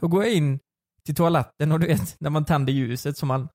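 A young man in his twenties tells a story in a casual chat, his voice sitting a little on the high side. He talks in an animated way and swears freely. The sound is dry and close, with no room in it. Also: no echo. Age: 20s.

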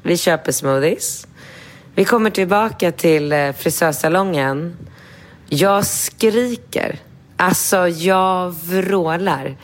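A woman co-hosts a casual podcast chat. She tells an animated story, acting out quotes in a high voice and swearing casually.

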